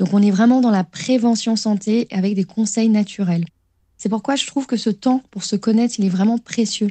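A woman with a fairly high, somewhat breathy voice speaks at a moderate pace with fairly even intonation. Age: 30s. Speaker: naturopath. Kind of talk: explanatory monologue.

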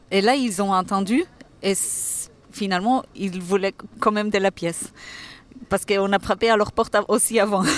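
Recorded with a dry, close sound and no echo, a woman speaks at a moderate pace with fairly even intonation and long, frequent pauses. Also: medium pitch for a woman. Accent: non-native. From Israel. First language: not French (speaking French). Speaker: orchestra conductor. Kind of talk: interview. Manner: halting.

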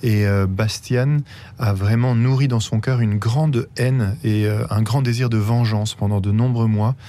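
A man's medium-pitched voice with a dark, mellow tone, very even loudness, fairly even intonation and a fairly slow pace. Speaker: missionary. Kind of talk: testimony. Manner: hesitant, many fillers.

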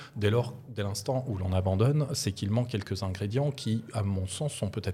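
On a very clean recording with a silent background, a man speaks at a moderate pace in a somewhat breathy, dark, mellow voice of fairly low pitch with ordinary pitch variation. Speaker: podcast host. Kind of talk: casual chat. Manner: animated.

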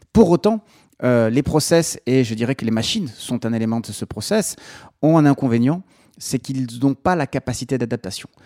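Recorded dry and close with no echo, a man at medium pitch speaks at a moderate pace, his dark, mellow tone carrying lively intonation. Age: 40s. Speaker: sociologist and AI researcher. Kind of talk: interview. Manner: hesitant, many fillers.

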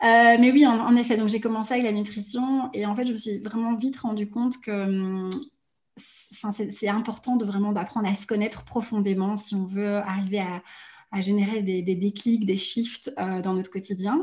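A woman speaks at a moderate pace in a medium pitch, her voice somewhat breathy. Her intonation stays fairly even. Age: 30s. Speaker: life coach. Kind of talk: casual chat.

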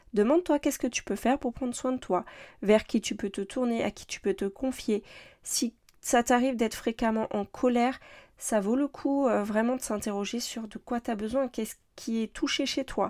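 In a very clean recording with a silent background and a dry, close sound with no echo, a woman speaks at a moderate pace in an ordinary speaking voice, with a fairly high pitch and ordinary pitch variation. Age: 40s. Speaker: parenting coach and podcast host. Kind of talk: solo podcast monologue, advice. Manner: casual, conversational.

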